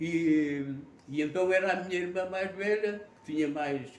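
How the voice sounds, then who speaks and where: A man speaks with lively intonation. Room echo is audible. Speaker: retired electrical engineer and author. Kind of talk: interview monologue. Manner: halting, with many fillers.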